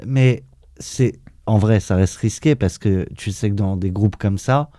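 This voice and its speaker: A man's voice: fairly low pitch, a little slow, mellow, no room sound, clean studio sound. A man hosting an interview who cuts in with short follow-up questions. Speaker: interview host.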